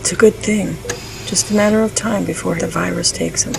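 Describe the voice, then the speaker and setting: A woman plays an unsentimental hospital worker in an audio drama. She is frank, with a creaky voice and clear noise behind her. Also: on the low side, fairly even intonation, fairly quick. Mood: blunt.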